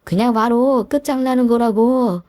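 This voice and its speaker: A woman's voice: on the high side, a little slow, no echo, studio quality, natural voice. A woman voicing a crude, bullying young male thug who threatens and sneers in an audio story. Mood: menacing. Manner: sneering, threatening, shouts in bursts. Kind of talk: Korean audio story acting.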